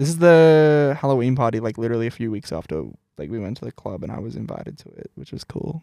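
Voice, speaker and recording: A man at medium pitch speaks very fast in a dark, mellow tone. His pitch swings very widely and his loudness rises and falls sharply. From New South Wales, Australia. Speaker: podcast host. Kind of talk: casual chat. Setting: studio.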